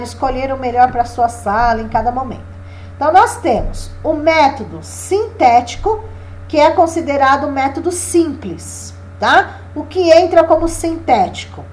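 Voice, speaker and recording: A woman's voice: sits high, slight background noise. A woman teacher, giving an exam review lesson and often checking in with her listeners. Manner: explanatory, checks in with "né?" and "tá?".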